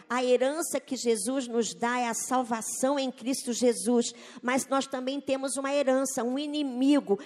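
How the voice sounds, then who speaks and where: A woman delivers a sermon in a fairly high voice. She speaks slowly and stresses her points earnestly, often putting rhetorical questions to her listeners. Her voice rings out with a long reverb, as in a large hall. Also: darkish tone. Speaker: preacher.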